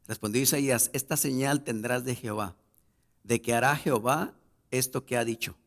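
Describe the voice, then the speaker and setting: A male pastor preaching a sermon, reading scripture aloud and swelling into loud, emphatic passages as he addresses the congregation. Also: medium pitch, normal speed. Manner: addresses the congregation directly as brothers.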